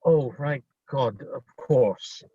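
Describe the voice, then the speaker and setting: A man with a warm, medium-pitched voice reads slowly in a script table read, playing a friendly, earnest, sensitive young Swede who's mock-menacing, hesitant and searching for words. The mood is friendly and chatty, with no room sound, and the video-call audio is dull and lo-fi.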